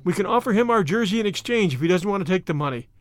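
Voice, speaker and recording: A man voicing a stern, practical older woman guardian who speaks in a scolding, brisk way. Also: high voice, lively intonation, dry recording.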